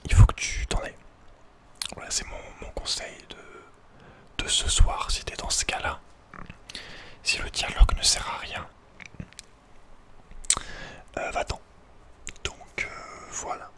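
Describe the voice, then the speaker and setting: A man whispering an informal, personal ASMR talk as host, in a hesitant, halting way. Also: fairly bright tone. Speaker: ASMR video creator and host.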